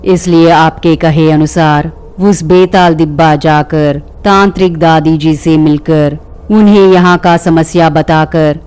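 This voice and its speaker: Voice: mid-range voice, fairly even intonation, slow, few pauses, darkish tone, clean tone, natural voice. The narrator voicing a worried grown village headman in a dubbed storybook cartoon, speaking earnestly.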